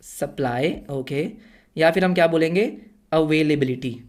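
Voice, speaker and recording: A man teaching an online class, lively and full of quick yes-or-no questions for his students, slipping English terms into his speech. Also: fairly high pitch. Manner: energetic, fires rhetorical yes-or-no questions at students.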